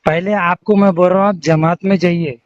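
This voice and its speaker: A man's voice: sits high, steady tone, a little fast, no room sound. A man with a Hyderabadi accent on a phone call, pressing his point in an argumentative, interrupting way. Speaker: caller, news channel interviewer. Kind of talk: confrontational phone conversation. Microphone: telephone. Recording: dull lo-fi phone call recording.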